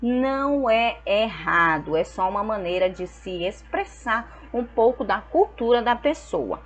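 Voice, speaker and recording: A young woman from Brazil, teaching a school lesson and explaining slowly and patiently, often checking in with her students. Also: medium pitch, animated, rough recording. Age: young adult.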